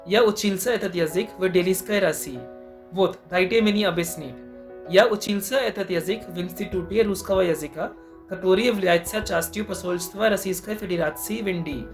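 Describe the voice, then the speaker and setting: A man's voice: high voice, brisk, faint music behind. A man from India with an Indian accent, a guest answering interview questions carefully in a language he has learned. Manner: careful, thoughtful, a little formal. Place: online call.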